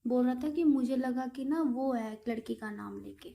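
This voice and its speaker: A woman's voice: high voice, normal speed, vocal fry, mellow. A young woman in an intimate relationship conversation, speaking in an apologetic, pleading and hesitant way. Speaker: girlfriend in a relationship call.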